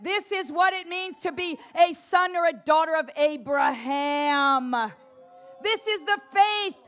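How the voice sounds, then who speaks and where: High-pitched lady preacher, slow and drawn out, playful, shouts a lot, charismatic sermon. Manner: animated, playful, mimics listeners, shouts and laughs.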